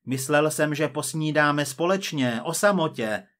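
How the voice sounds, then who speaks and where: A man voicing a cold, persistent male agent from the future, measured and quietly menacing. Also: medium pitch, natural voice.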